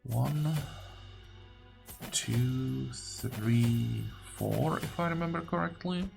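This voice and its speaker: A man's voice: mid-range voice, very slow, vocal fry, a little mellow, faint music behind. A man giving unscripted game commentary, thinking aloud in a musing, hesitant way as if talking to himself. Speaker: gaming video host.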